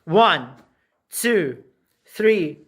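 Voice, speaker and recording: A woman's voice: fairly low pitch, lively intonation, extremely slow. A woman hosting a casual challenge segment, upbeat and cheerful, counting down for her crew. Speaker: host running the crew challenges.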